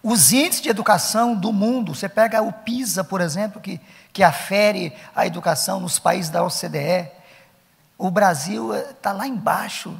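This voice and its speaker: Brazilian pastor, middle-aged man, high pitch, emphatic repeating lecture style, reverberant hall. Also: normal speed, vocal fry, slightly rough. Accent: Brazilian Portuguese. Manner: emphatic, repeats key phrases. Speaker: pastor teaching Sunday school teachers. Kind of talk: conference lecture.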